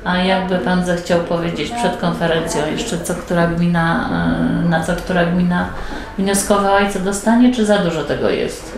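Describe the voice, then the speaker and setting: A woman interviewer asking long, winding questions in a steady, level manner, with frequent murmured acknowledgements. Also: on the low side, normal speed. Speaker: interviewer, local newspaper host. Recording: echoey office room, faint background hum.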